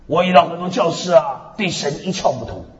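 Man preaching in a church hall, high voice all over the place, hallelujah every other line, roomy echo. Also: a little fast. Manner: peppers speech with "hallelujah, amen" refrains; lively storytelling, swings between loud and soft. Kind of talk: sermon. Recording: echoey hall, dull lo-fi sound.

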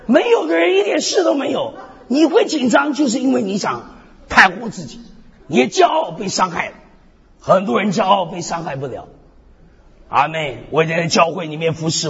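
A man's voice: high-pitched, gravelly. A male pastor preaching a sermon with energy, mixing humor and self-deprecating stories with frequent hallelujahs. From North America resident. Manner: animated preaching, peppered with call-and-response hallelujahs. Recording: dull hall with long reverb.

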